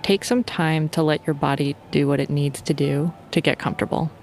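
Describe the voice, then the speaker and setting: A woman's voice: low-pitched, fairly even intonation, fairly quick, a little mellow, soft background music. A woman leading a guided sleep meditation in an informal, playful and soothing way.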